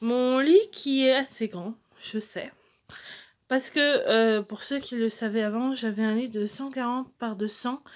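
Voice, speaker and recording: In a very clean recording with a silent background, a woman speaks at a high pitch and a very slow pace with ordinary pitch variation. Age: 20s. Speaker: YouTuber. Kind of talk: room tour vlog. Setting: at home, in her bedroom. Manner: hesitant, many fillers.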